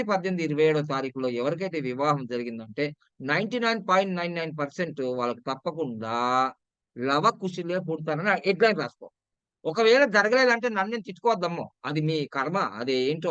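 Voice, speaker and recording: A man's voice: sits high, fairly bright tone, clean tone, no echo, highs cut off. A man with a Telugu accent giving casual talk on numerology to viewers, chatty and repetitive, often asking them to comment. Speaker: numerology and astrology presenter.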